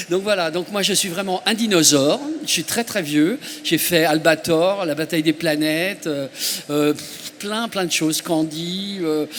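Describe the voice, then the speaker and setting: A man talks at a fairly high pitch and fairly slow pace. His pitch variation is ordinary, with noticeable background noise behind him. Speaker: voice actor. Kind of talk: panel talk.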